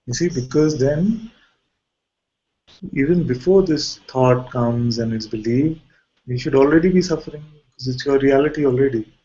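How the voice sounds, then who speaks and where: A man leading an informal guided spiritual dialogue as a teacher, asking probing questions and pausing mid-sentence. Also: mid-range voice, dark tone, muffled recording.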